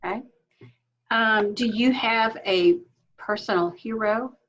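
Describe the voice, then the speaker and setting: A woman's voice: fairly high pitch, takes it slowly, dull audio, slight background noise. A woman hosting a candidate interview, asking scripted questions with brief, polite prompts. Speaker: interviewer, chamber of commerce host.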